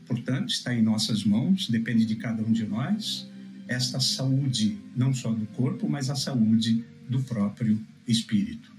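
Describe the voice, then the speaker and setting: A Brazilian man preaching in a didactic, measured way, expounding scripture with emphasis. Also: mid-range voice. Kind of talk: religious teaching, scripture exposition. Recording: roomy echo, music behind.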